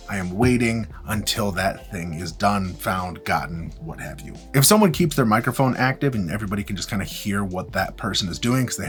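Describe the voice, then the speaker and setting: A man presenting an instructional video, explaining things emphatically and restating key points in a structured way. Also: lowish voice. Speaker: video host, tutorial presenter. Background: background music.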